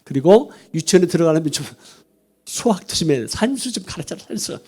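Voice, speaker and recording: A middle-aged man preaching a sermon, telling a family story with lively acted-out dialogue. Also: fairly high pitch, fairly quick, slightly rough. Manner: storytelling with animated quoted dialogue. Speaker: pastor.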